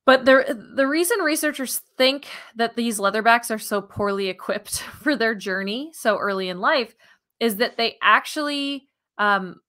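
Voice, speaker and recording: An American woman in her thirties co-hosting a science podcast, explaining things conversationally in an animated way. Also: on the high side. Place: living room at home, indoors. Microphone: headset on a video call.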